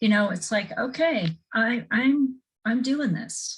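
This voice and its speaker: A woman's fairly high voice comes through somewhat breathy. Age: 60s. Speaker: ordained minister and aspiring speaker. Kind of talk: testimony on a live Q&A call.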